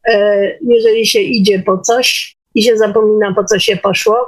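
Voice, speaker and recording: A woman of medium pitch speaks casually on an online call. She tells personal stories in a direct, conversational manner, as a participant talking to the group. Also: fairly even intonation, moderate pace, husky. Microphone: online call microphone.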